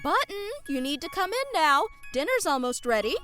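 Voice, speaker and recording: Pony mother played by a woman for story reading: caring, motherly, hugely varied pitch. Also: very animated, normal speed, music in the background. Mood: calling out. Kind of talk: fan story character acting.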